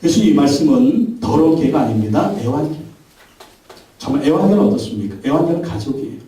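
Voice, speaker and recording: High-voiced Korean pastor preaching in echoey hall. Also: male voice, expressive, fast talker, warm tone. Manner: emphatic preaching with call-and-response. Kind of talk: Sunday sermon. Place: large church sanctuary. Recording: very echoey church hall, mic at a distance.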